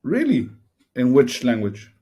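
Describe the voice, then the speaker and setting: Husky, dark-voiced man hosting an interview. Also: medium pitch, wildly swooping pitch, measured pace. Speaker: podcast host, interviewer. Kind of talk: casual interview chat.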